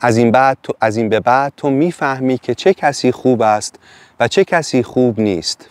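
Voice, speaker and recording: A man voicing a wise wolf from another time in a storybook reading, speaking low and slow. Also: a little mellow, no room sound, lightly acted.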